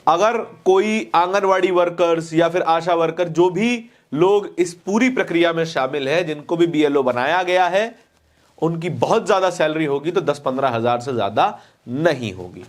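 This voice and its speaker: A man's voice: fairly high pitch, moderate pace. A man presenting opinionated news commentary, speaking emphatically with repeated phrases and rhetorical questions.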